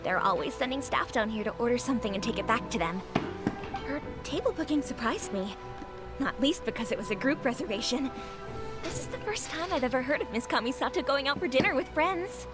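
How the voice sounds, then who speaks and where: A woman's voice: sits high, lively intonation, a little fast. A woman voicing a friendly restaurant keeper who chats in a confiding, gossipy way. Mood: chatty. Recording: game audio with music behind.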